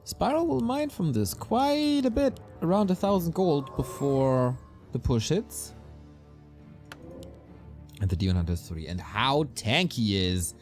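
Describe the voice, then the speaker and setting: A man casting an esports match play by play, his voice a little raspy, breaking into quick bursts of excitement at big plays. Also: on the high side. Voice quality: slightly raspy. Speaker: esports caster. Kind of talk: play-by-play game commentary. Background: game music.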